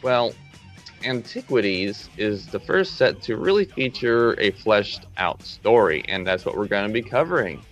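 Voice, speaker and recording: Male co-host, low-pitched, laid-back and offhand, light music bed. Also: lively intonation, unhurried. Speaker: podcast co-host. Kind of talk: casual chat.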